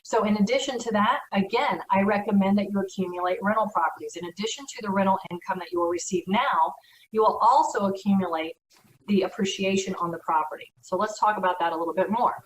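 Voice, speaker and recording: A woman's voice: medium pitch, quick pace, slight background noise. A woman, a real estate broker, giving earnest, conversational advice in an educational talk. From United States. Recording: echoey room, from far off.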